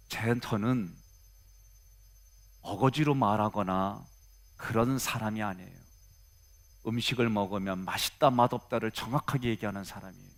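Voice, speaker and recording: A man's voice: medium pitch, fairly bright tone. A middle-aged man preaches to his congregation in a plain, conversational way. His mid-range voice turns earnest and rises to emphatic peaks as he presses his points. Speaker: pastor. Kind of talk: sermon.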